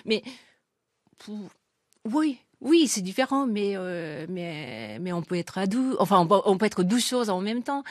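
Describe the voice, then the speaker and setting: A Japanese woman in her fifties with a Japanese accent, speaking French as a second language in a radio interview, halting and full of fillers and restarts. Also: medium pitch, expressive, no room sound, clean studio sound. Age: 50s. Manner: hesitant, many fillers and restarts, laughs often. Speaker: guest writer.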